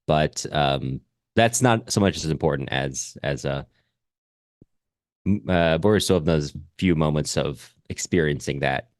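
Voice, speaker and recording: A man co-hosting a reflective literary discussion, speaking in a halting, thoughtful way as he searches for his words. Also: a bass voice, dry recording, clean studio sound. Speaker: podcast co-host.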